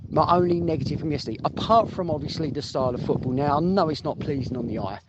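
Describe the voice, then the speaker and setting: A man with a fairly high voice talks quickly in an informal voice note for a football fan podcast, chatting, thinking aloud, and repeating phrases for emphasis. Sent as a phone voice message, it sounds muffled, lo-fi and noisy, with clicks.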